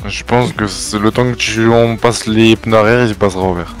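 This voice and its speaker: A man with a fairly low voice banters with a fellow gamer. His talk is casual, slangy and joking, over faint music. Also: steady tone, moderate pace. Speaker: fellow player in online roleplay game.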